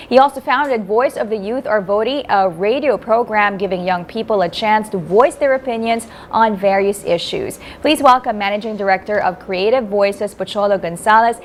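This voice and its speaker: A woman hosting a morning TV show, asking her guests questions in a bright, inquisitive way. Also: medium pitch, slight background noise. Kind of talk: live TV interview. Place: TV studio.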